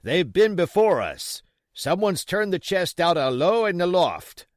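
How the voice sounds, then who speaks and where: A man voicing rough pirate henchmen in an audiobook, calling out loudly in rustic sailor talk. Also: high-pitched, big pitch swings, unhurried, no room sound, clean studio sound, pitched above the performer's own voice. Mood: urgent calling. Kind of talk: audiobook character voice.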